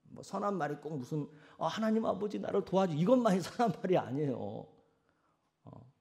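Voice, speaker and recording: A senior pastor preaching a sermon, asking the congregation questions and acting out quoted sayings in a soft, low voice. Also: male voice. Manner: asks the congregation direct questions.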